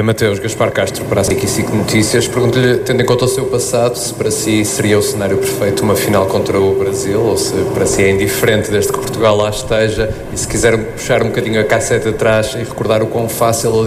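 A male TV journalist asking a formal question briskly. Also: on the low side, little pitch movement. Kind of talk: press conference question. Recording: echoey room with loud noise.

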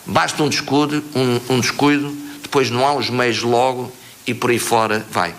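A man giving a recorded statement on fire risk, halting and repeating words. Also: mid-range voice, little pitch movement, a bit bright. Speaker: official speaking on fire risk.

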